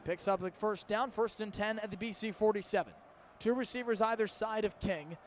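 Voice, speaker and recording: A young American man in his early twenties doing energetic, vivid live play-by-play of football on the radio. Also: high voice, brisk, a little hiss or hum. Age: early 20s. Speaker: play-by-play announcer.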